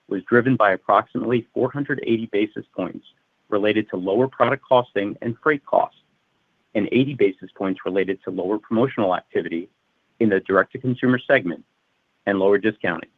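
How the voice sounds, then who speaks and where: A man's voice: lowish voice, brisk, slightly rough, no echo. A male finance executive reading prepared financial results in a formal, methodical way. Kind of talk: prepared financial results presentation, read aloud. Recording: narrow-band phone conference line.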